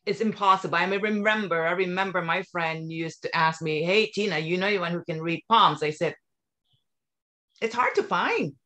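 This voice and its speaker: A woman from Thailand hosts a casual interview on a video call. Her voice sits slightly low, and she talks in an effusive, emphatic, conversational way. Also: moderate pace, pushed and bright. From born in Thailand. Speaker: interview host.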